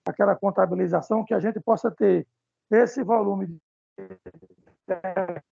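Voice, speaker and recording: A man's voice: high voice, unhurried, vocal fry, dark tone, breathy edge. A man with a Brazilian accent speaking formally in an online meeting. His audio is choppy and keeps cutting in and out. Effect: choppy audio that cuts in and out. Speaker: meeting participant. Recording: dull, dry, lo-fi call audio.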